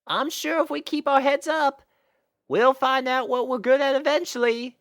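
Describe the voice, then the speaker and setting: A woman's voice: high-pitched, normal speed, no echo, studio quality, voice pushed up. A woman voicing an encouraging young female pony with an earnest, optimistic manner in a storybook reading.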